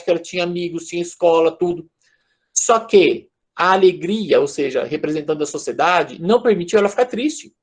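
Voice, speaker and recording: In a high-pitched voice, a man with a Brazilian accent speaks at an online lecture held over video call. The talk is informal and lively, and he addresses his listeners directly throughout.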